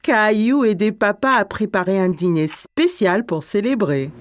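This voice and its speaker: Actress as gentle storybook narrator lady, mid pitch, explains things clearly, music under her. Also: expressive, measured pace, close to an everyday voice. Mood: gentle storytelling. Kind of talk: scripted children's story narration.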